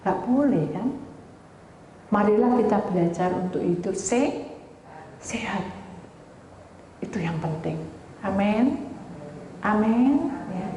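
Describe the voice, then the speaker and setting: Woman pastor, animated sermon storytelling, slightly low mellow voice, roomy church hall, long reverb. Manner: animated storytelling, often addressing listeners as "brothers and sisters". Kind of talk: sermon with personal testimonies. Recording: echoey hall with long reverb, faint noise.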